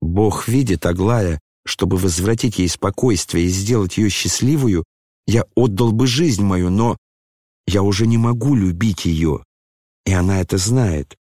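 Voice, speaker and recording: A man reading an audiobook, voicing a gentle, troubled young nobleman who speaks earnestly and pleadingly. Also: sits low, unhurried, no echo, studio quality.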